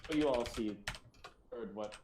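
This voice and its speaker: A man playing in an online tabletop game, speaking slowly and casually. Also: mid-range voice. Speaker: player. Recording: echoey room, faint keyboard noise.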